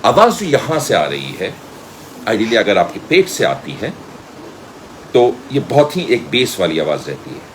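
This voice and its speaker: A man's voice: on the low side, huge pitch swings, a little slow, slight background noise, low-quality recording. An Indian man giving a theatrical voice-training lesson as a trainer, switching between Hindi and English and telling stories to demonstrate. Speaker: media school voice trainer.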